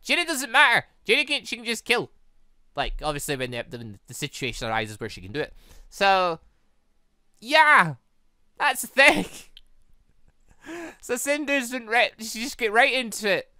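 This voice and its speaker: A gaming host giving casual, rambling commentary in an excitable, conversational way. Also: mid-range voice, moderate pace, long pauses, dry recording, studio quality.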